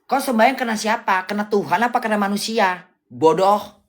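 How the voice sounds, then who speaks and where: A woman's voice: mid-range voice, moderate pace. A woman hosting a casual livestream, blunt and scolding, often firing off rhetorical questions. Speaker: livestream host.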